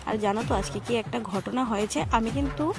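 A woman, hoarse from a cold, giving a chatty voice-over for her family vlog with many hesitant fillers. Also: a little high, brisk. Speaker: family vlogger.

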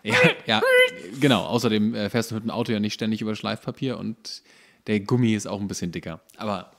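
A man's voice: lowish voice, fairly even intonation, fast talker, vocal fry. A man co-hosting a podcast, chatting casually with dry, wry humour. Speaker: podcast co-host. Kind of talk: casual comedic chat.

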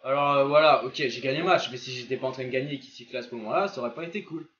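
A young man gives casual, excited commentary on a football video game, slangy and prone to swearing and exclaiming at plays. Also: mid-range voice, rapid-fire, slight background noise. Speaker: gaming video creator playing a football game. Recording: dull lo-fi voice track with music behind.

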